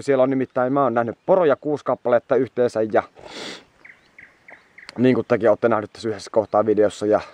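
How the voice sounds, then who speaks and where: Exhausted, a young man vlogs to the camera during a moped trip, rambling casually and swearing often. His medium-pitched voice is a little mellow, with no echo.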